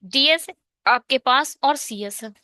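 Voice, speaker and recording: A woman's voice: high voice, a little slow, pushed and bright, no echo, studio quality. A woman teaching an online exam-prep math lesson, working through a problem step by step and asking and answering her own questions.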